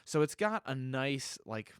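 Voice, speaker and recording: A man's voice: mid-range voice, very animated, a little slow, fairly bright tone, clean tone, no echo, clean studio sound. A man hosting a podcast who is stuffy, answering listener questions in a casual, rambling way with many fillers and restarts. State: stuffy nose. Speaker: podcast host.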